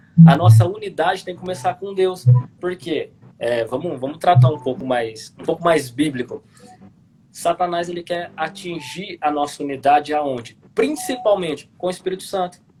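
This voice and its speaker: A man with a high pitch and an animated tone, music playing in the background. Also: lively intonation, moderate pace. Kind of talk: casual religious discussion on live podcast. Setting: Instagram live stream.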